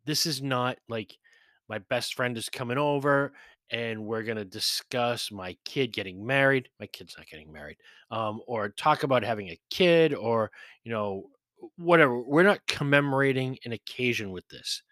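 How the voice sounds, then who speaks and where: A man's voice: medium pitch, moderate pace, a bit bright, dry recording, clean studio sound. A man hosting a podcast, giving a blunt, chatty whiskey review with profane, mocking asides. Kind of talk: casual spoken review.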